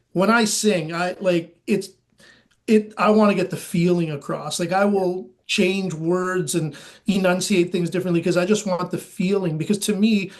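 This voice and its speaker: A man with a nasal voice, talking casually and eagerly as a musician guest in an interview. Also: high voice. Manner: rambling, eager, many fillers.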